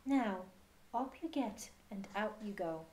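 A woman voicing a wise, tender mother in a children's storybook, gentle, comforting and reassuring. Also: mid-range voice, animated, slow pace, heavy background noise.

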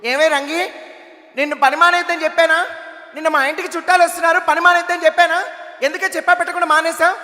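A man voicing a bossy middle-aged housewife who scolds her maid in a shrill voice, on a reverberant stage. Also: flat delivery, quick pace, sharp tone. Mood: scolding.

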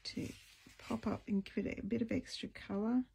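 A woman with a deep, husky voice hosting a casual stamping tutorial, chatting and thinking aloud as she crafts. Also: steady tone, normal speed, dark tone. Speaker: craft video host.

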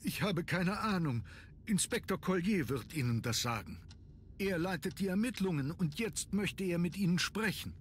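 An actor playing an anxious, deferential manor butler in a video game, formal and agitated. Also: male voice, high-pitched, animated, moderate pace, slight background noise. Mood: agitated, distressed. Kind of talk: German video game voice acting.

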